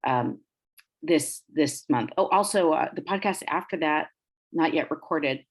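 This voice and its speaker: A woman's voice: deep voice, a little slow. A woman hosting a podcast interview, chatty and easygoing, with lots of ums and easy laughs. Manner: warm, chatty, many ums, laughs easily. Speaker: podcast host. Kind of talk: casual interview chat.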